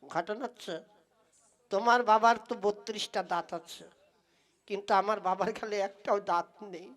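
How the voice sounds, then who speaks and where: A woman voicing a slightly foolish young boyfriend, halting and placating, in a comic puppet play. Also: medium pitch, a faint crowd, lightly acted. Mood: hesitant.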